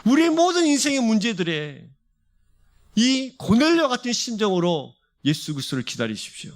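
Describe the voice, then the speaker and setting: A man's voice: very high-pitched, wildly swooping pitch, normal speed. A male pastor preaching a sermon at a church service, speaking with passion and piling up repeated phrases. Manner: impassioned, repeats and builds phrases.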